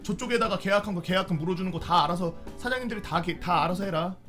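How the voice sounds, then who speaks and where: A man's voice: high voice, quick pace, fairly bright tone, soft background music. A young man streamer venting a story in casual, heated, profane talk.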